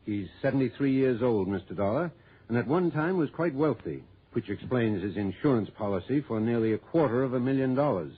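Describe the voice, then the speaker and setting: A precise insurance office manager briefs a visitor in a matter-of-fact tone. His voice is husky. It comes through a thin, phone-like old radio sound. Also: mid-range voice, expressive, fairly quick.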